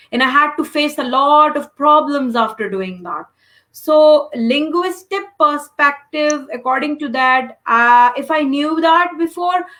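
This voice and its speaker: Woman, young adult, high-pitched, earnest, chatty advice. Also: fairly bright tone. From Pakistan. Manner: earnest, advising, frequent fillers. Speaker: interview guest, master's student. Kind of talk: casual interview answers.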